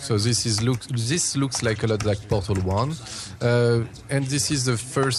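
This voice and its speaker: With a French accent, a man speaks at a fairly slow pace with ordinary pitch variation. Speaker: gaming show host. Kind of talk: live commentary. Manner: halting.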